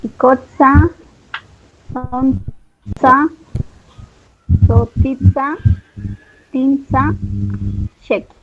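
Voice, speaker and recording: A woman's voice: high voice, drawn-out words, pauses often. A woman, a student reading aloud and answering in an online class. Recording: muffled online call, faint noise.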